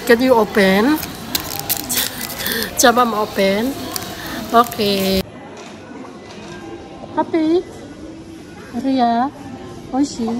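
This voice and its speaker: A woman's voice: fairly high pitch, very slow, long pauses, music in the background, rough recording. A woman with a Filipino accent doing casual vlog chat as a mother, slipping easily between languages. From Philippines. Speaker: vlogger and mother.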